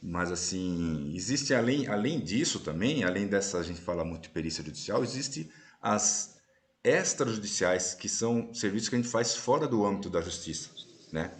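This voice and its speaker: Deep-voiced man hosting a live chat. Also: expressive, normal speed. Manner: explanatory, often ending sentences with "né?". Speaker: host and course instructor. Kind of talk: casual live-stream chat.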